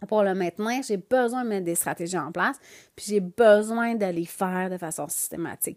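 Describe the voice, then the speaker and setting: A woman with a plain, everyday voice speaks at a moderate pace and medium pitch, with ordinary pitch variation and big swings in loudness, on a very clean recording with a silent background. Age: 40s. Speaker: life coach and podcast host. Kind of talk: solo podcast monologue. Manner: casual, conversational.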